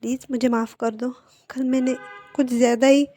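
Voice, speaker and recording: A soft-spoken young man, quiet and caring, gently pleading for forgiveness. He is read by a woman storyteller in a mellow, slightly high voice kept low and hushed. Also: little pitch movement, a little fast, dry recording, natural voice. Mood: concerned.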